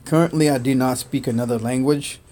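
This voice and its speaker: Streaming a strategy game, a man born in Korea who first spoke Korean rambles casually in a steady, dark, mid-pitched voice, a little fast. Between "uh"s and "man"s he thanks viewers by name.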